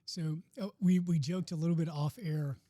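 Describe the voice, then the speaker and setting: A man hosting a podcast, his voice dark and mellow, sitting slightly high for a man. He asks questions in a relaxed, easygoing way, with casual fillers. The sound is close and dry. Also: normal speed, dry recording. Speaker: podcast host. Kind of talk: podcast interview.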